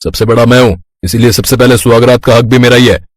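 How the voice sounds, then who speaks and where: A man's voice: mid-range voice, fairly even intonation, quick pace, no room sound, clean studio sound, natural voice. A man voicing a bossy, quarrelsome young elder brother in a cartoon story, pushy and commanding. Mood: angry, bossy.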